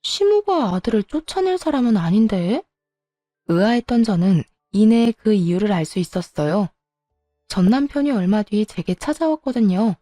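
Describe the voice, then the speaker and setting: A woman's voice: medium pitch, very animated, normal speed, warm tone, no echo, clean studio sound, faint music behind. Wry woman narrating a story. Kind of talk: scripted first-person story narration.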